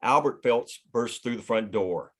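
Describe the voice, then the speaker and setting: A man's voice: medium pitch, unhurried. A man reading scene headings and stage directions aloud as scripted narration at a table read.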